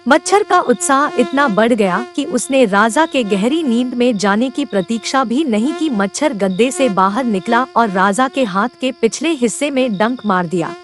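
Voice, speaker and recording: A woman narrating a children's moral story in an expressive storytelling voice. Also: a little high.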